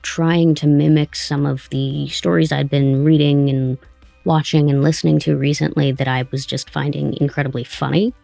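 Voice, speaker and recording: A woman's voice: sits low, little pitch movement, moderate pace, creaky, warm tone, dry recording. A woman hosting a casual interview, conversational and attentive as she asks questions and comments. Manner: conversational, attentive, with brief acknowledgements. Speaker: interviewer and writer of an audio drama. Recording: close dry sound with music behind. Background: background music.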